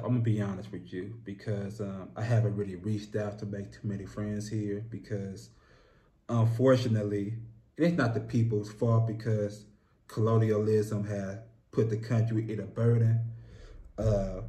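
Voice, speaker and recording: American guy, relaxed mellow voice, laid-back chat, room echo. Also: on the low side. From United States. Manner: relaxed, candid, repeats "you know what I mean". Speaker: interview guest. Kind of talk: casual conversation. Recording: echoey room.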